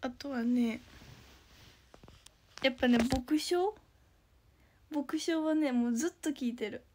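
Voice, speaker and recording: With a warm, high-pitched voice and slow delivery, a young idol trainee livestreams on her phone from home after a night without sleep. She reads viewer comments casually, thanking people chirpily and occasionally whispering.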